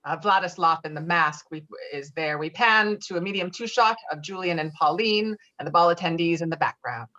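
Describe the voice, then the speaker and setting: A woman's voice: on the low side, brisk, hardly any pauses, bright, forceful tone, muffled recording. A woman casually narrating stage directions in a virtual table read of a script.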